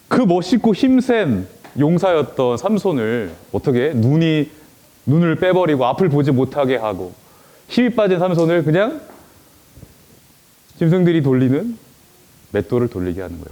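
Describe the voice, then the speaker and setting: A male pastor giving a children's sermon, telling a Bible story in an animated way and asking the children questions. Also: medium pitch.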